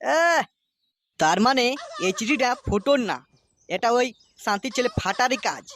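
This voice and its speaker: Man doing a high-voiced grumpy cartoon father. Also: very animated, a little slow, a bit bright, slight background noise, heavily acted. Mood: suspicious. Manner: accusing, coarse, grumbling. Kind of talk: Bengali comedy cartoon dubbing.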